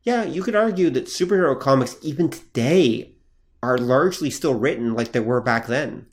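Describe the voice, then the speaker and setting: A man co-hosting a podcast in casual chat, explaining points in a measured way. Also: mid-range voice. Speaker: podcast co-host.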